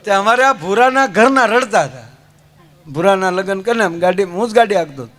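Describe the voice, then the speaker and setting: A man telling comic wedding stories on stage with a Saurashtra Gujarati accent, animated and acting out each character. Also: a little fast. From Saurashtra, India. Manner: animated storyteller, acts out characters with pitch swings. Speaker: folk comedian. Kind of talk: stage comedy storytelling.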